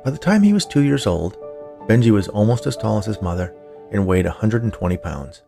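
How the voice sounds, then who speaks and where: A man's voice: on the low side, lively intonation, a little fast, creaky, mellow, faint music behind. A man reading a scripted short story in the manner of an audiobook narrator. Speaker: writer, narrator and producer of a fiction podcast.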